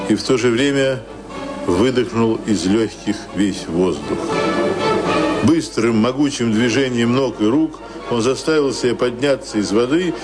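An actor playing the grave narrator of a tragic radio play, reading literary prose in a solemn, measured way. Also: male voice, medium pitch, close to an everyday voice. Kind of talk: dramatic scripted narration. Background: prominent music.

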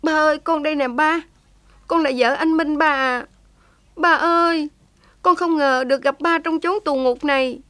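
A woman's voice: high-pitched, normal speed, dry recording, pitched above the performer's own voice, lightly acted. A woman voicing a young heroine who is daring and tender, pleading with feeling. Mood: tender, tearful. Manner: impassioned, tearful pleading.

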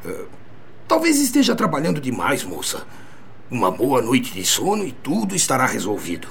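Elderly pharmacist, Brazilian accent, creaky voice, calm and kindly, varied pitch, radio drama. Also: male voice, normal speed, a little hiss or hum, full character voice. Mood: soothing, caring. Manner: gentle, hesitant, fatherly.

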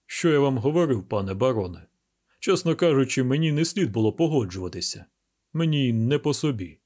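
Man doing a gruff grumbling police inspector. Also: medium pitch, expressive, darkish tone, close to an everyday voice. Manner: gruff, grumbling, slow and heavy. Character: gruff stubborn male police inspector, middle-aged.

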